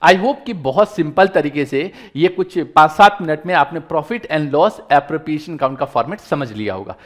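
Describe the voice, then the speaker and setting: A man's voice: fairly high pitch, lively intonation, unhurried. A man teaching accounts in an online lecture, earnest and encouraging, pleading with students and fellow teachers as he explains each step. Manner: earnest, pleading and encouraging, mixing English terms into Hindi.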